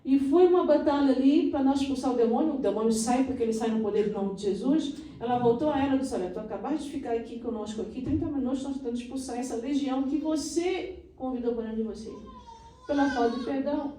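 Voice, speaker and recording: High-voiced woman preaching in an echoey hall. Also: fast talker. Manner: fervent, builds to loud prayer. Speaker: pastor. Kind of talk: sermon. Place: church hall. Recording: echoey church from far off.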